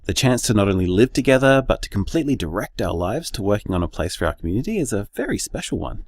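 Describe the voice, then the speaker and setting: An actor playing an earnest gay bar co-owner in a radio drama interview, with an Australian accent and an articulate, measured manner. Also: male voice, on the low side, very animated, no echo, clean studio sound.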